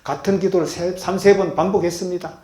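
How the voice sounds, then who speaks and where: A man preaching a sermon as a pastor to a congregation at a healing retreat center. He asks the congregation questions and swings between loud and soft. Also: high-pitched, steady tone, brisk. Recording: echoey hall.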